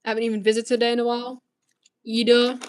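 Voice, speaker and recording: A teenage woman from Malaysia chats on her stream, her voice sitting a bit high. She rambles through viewer questions, restarting her sentences and swearing casually. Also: little pitch movement, quick pace, clear, resonant tone.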